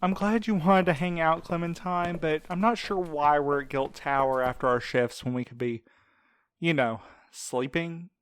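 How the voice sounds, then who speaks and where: A man's voice: on the high side, moderate pace, clear, resonant tone, lightly acted. A man playing a teasing but supportive friend and coworker in a fiction podcast, with wordy, sarcastic quips. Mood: teasing, friendly. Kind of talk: fiction podcast audio drama acting.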